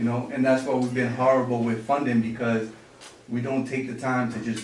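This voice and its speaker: A man's medium-pitched, flat monotone at a fairly quick clip, with audible room echo and noticeable background noise. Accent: American. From Cape Verdean community, Boston area. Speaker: community organizer. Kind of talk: casual interview.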